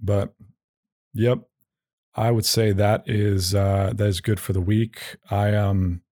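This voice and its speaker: A man with a fairly low voice hosts a casual solo podcast in a close, dry recording. He rambles in halting phrases, often doubling back on his words. His humor is self-deprecating and a little goofy. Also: level tone, mellow, no echo. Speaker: podcast host.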